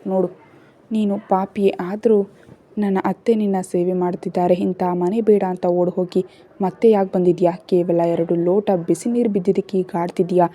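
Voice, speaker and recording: A woman's voice: medium pitch, dark tone, natural voice. A woman voicing a fierce vengeful young wife. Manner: hissing threats through clenched teeth.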